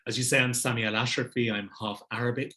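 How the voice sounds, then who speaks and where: A middle-aged man from the United Arab Emirates, a business leader speaking as a podcast guest in articulate, deliberate, polished phrases. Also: medium pitch, steady tone, bright, forceful tone. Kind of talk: polished interview storytelling.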